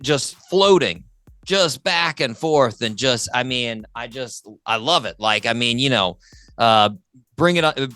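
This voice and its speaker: Male interview host. Bright, forward voice, very dry sound, chatty, keen, repeats himself. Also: mid-range voice, animated, measured pace, no echo. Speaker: talk show host. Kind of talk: casual music interview chat.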